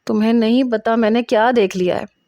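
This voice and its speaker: Scared young student in a storybook reading, insistent and pleading , as a woman narrator puts her on, mellow tone. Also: fairly high pitch, steady tone, no room sound, close to an everyday voice.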